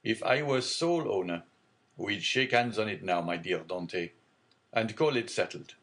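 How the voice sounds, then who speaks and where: A man reading aloud and voicing a genial, fatherly older shipowner in a hearty, booming manner. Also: animated, measured pace, a bit bright. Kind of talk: audiobook character reading.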